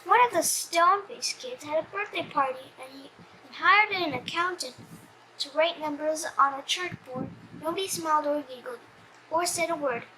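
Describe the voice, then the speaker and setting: A child reading a comic storybook aloud in an animated, slightly stumbling way. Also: sits high, normal speed, slight background noise, poor audio.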